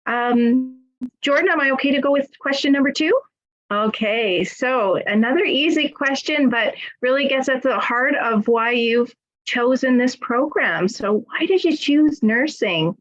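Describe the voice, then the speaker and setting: A middle-aged woman, a nursing school director, moderating a webinar panel with a warm, encouraging way of asking questions. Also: high-pitched, unhurried. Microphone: video call. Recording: slightly dull video-call audio.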